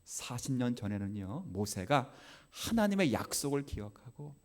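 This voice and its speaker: Male pastor preaching in church, lively voice, goes from quiet to loud and back. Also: mid-range voice, moderate pace. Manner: animated preaching, acts out dialogue, swings from soft to loud. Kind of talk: sermon. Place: church sanctuary.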